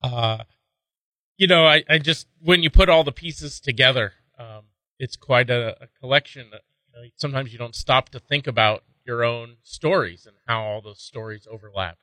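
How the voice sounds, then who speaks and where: A man's voice: medium pitch, normal speed, sharp tone, no echo, low-quality recording. A man in his forties, a pastor and interview guest, answering thoughtfully and a little hesitantly. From San Francisco Bay Area, raised in Indiana. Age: 40s.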